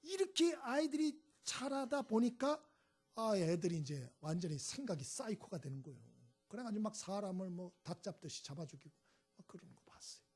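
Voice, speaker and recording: Husky high-pitched male pastor preaching. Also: sing-song, brisk, soft background music. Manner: storytelling, prods the congregation with "예?" and "음?". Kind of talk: sermon.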